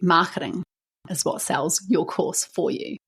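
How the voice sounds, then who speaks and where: A woman's voice: lowish voice, a little slow, fairly bright tone, husky. A woman with a New Zealand accent hosting a solo podcast, chatty and encouraging, with frequent fillers. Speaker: podcast host.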